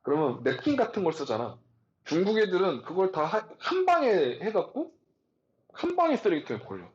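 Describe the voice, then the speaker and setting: A man giving a recorded lecture, talking in an animated, chatty way with rhetorical questions and asides. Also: sits high, fairly quick, muffled recording.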